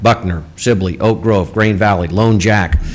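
With audible room echo, a man talks at a fairly quick pace in a fairly low pitch with ordinary pitch variation. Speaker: county official presenting to city council. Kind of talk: public presentation. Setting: city council meeting. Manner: fast.

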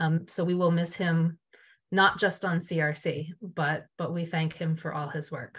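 A woman speaks in a fairly low, somewhat breathy voice with monotone, flat intonation. The background is quiet. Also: fairly slow pace. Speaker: town councilor. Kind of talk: council meeting deliberation. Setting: video call. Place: home room. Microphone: video call.

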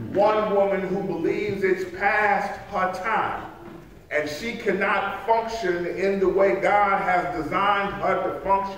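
Over light background noise and audible room echo, a man speaks with a high pitch. He goes at a fairly slow pace with monotone, flat intonation. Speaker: preacher. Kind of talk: sermon. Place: church.

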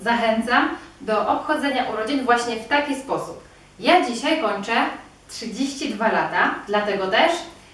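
A woman with a high voice talks at a fairly slow pace, and room echo is audible around her. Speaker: home fitness instructor. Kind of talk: workout instruction. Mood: cheerful, upbeat. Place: home room. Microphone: camera far.

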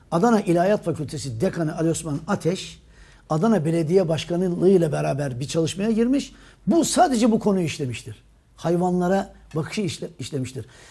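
The voice swings very widely in pitch and has a dark, mellow tone. The pace is fairly quick over a quiet background. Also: man, high pitch for a man. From Turkey, Balıkesir (village); Turkey. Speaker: theology professor; guest. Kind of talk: TV interview. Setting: TV studio. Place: studio.

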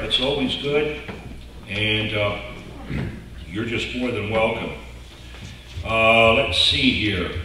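Lively intonation marks this man's speech, heard with audible room echo and light background noise. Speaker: church leader or pastor. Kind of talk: church announcements. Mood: warm, friendly. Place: church. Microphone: podium.

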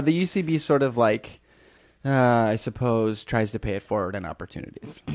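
Big swings in loudness and lively intonation mark this man's speech, delivered at a moderate pace with an American accent in an ordinary speaking voice. The recording is very clean, with a silent background. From New York, Westchester. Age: 20s. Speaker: comedy writer. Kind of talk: casual chat.

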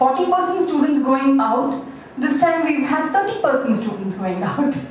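Amid strong room echo and light background noise, a woman with a high pitch speaks at a very slow pace. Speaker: audience member who counsels students. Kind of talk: audience question. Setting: audience at a lecture. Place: hall.

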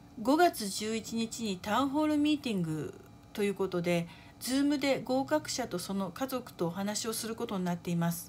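A woman's fairly high, somewhat breathy voice rises and falls in very wide pitch swings. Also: moderate pace. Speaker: vlogger, university admissions worker. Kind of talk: casual video monologue.

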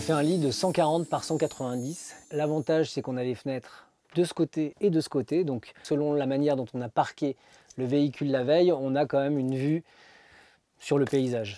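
The man's pitch sits fairly high, and his intonation stays fairly even. He speaks at a moderate pace in a dry sound with no echo. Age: 40s. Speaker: photographer living in a van. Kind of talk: casual interview and van tour. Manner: hesitant with repetitions. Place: bus. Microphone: lapel.

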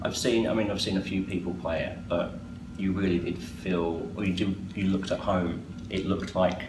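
A man with a very deep, low pitch talks at a moderate pace against noticeable background noise. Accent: British. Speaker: theatre vlogger. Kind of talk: casual interview. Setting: theatre. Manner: animated, giggly. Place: home room. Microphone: lapel.

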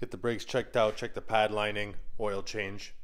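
The man's intonation stays fairly even. He keeps a moderate pace. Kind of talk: casual walkaround commentary. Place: garage. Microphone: phone near.

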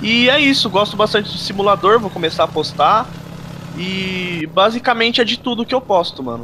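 A raised, projected voice with lively intonation comes through at a moderate pace over noticeable background noise. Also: man, high pitch for a man. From Brazil. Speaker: gaming youtuber. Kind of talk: casual chat. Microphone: headset.

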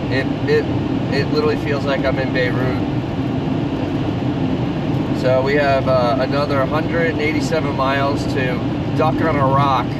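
A man talks at a fairly slow pace with loud background noise, the sound dry with no echo. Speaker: channel host. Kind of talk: casual vlog chat. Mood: dry sarcastic amusement. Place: car.

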